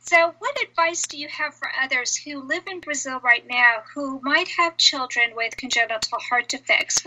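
A woman hosting a radio show, asking questions in an encouraging, warm way. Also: sits high, rough recording. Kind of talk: interview hosting.

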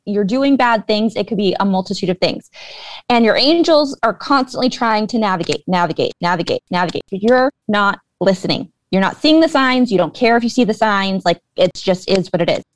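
A woman guest earnestly explaining her beliefs in a casual conversation, with many fillers. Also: medium pitch. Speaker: guest, spiritual intuitive.

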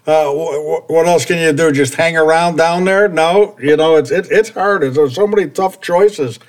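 A man with a notably high voice hosts a relaxed interview. He talks in a folksy, rambling way and trips over his words, repeating them as he goes. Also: moderate pace. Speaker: podcast host. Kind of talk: casual interview chat.

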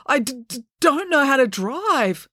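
A woman's voice: high voice, rapid-fire, dry recording, clean studio sound, voice pushed up, close to an everyday voice. A woman voicing a nervous, cautious teenage boy in a storybook, sounding worried. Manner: worried, exclaiming.

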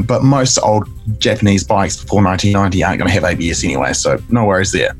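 Croaky kiwi guy, creaky lowish voice from a cough, chatting through news on a podcast, music behind. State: recovering from a bad cough. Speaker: podcast co-host reporting news. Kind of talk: conversational news explainer.

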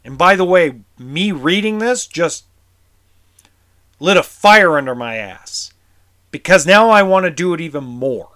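A man's voice: a little high, lively intonation, unhurried, sharp tone. A tense man ranting in a vlog as an RV service technician, frustrated and heated, swearing and stammering over repeated words. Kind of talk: vlog rant.

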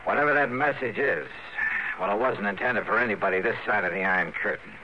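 A man playing a tough, decisive investigator hero in a 1950s radio drama, with clipped delivery and a gravelly voice. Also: fairly low pitch, fast talker, noisy background, close to an everyday voice. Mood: urgent, decisive. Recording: dull vintage radio broadcast with music.

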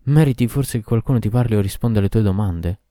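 A man's voice: on the low side, quick pace, mellow, no echo, studio quality, close to an everyday voice. A man voicing a king who poses as a sick lover, grumbling and scolding. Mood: grumbling scorn.

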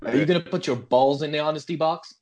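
A man putting on an American accent as an earnest, big-dreaming podcaster, deliberate and affected in casual comic banter. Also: a little high, darkish tone, natural voice. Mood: mock-sincere. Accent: put-on American. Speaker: podcast co-host.

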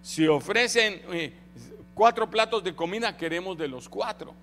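A man's voice: high-pitched, moderate pace, fairly bright tone, faint music behind. A male pastor, preaching a sermon and having the congregation repeat phrases after him. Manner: acts out voices in Bible stories. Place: church hall. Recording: long hall reverb, faint noise.

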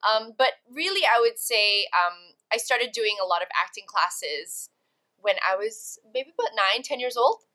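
Bright lively woman chatting on a podcast, lots of "like", laughs a lot. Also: on the high side, measured pace. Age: adult, career of over two decades. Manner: chatty, laughs often, fillers like "like". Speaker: podcast guest, actress and TV host. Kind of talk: casual interview chat.

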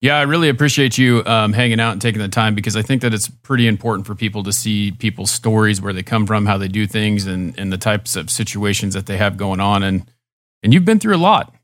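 A man's voice: on the low side, fast, dry recording. A man hosting a podcast interview over a remote call, laid-back with loose, casual phrasing. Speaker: podcast host.

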